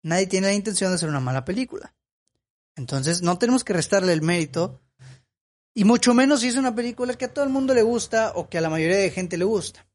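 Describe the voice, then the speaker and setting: A man's voice: high voice, lively intonation, fast talker. A man giving opinion commentary as a film vlogger. He talks in an emphatic, lecturing way and repeats his points.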